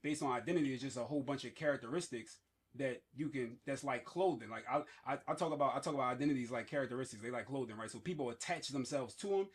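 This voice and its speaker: A man speaking African American English in a casual podcast discussion, explaining emphatically and often checking that listeners follow. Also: mid-range voice.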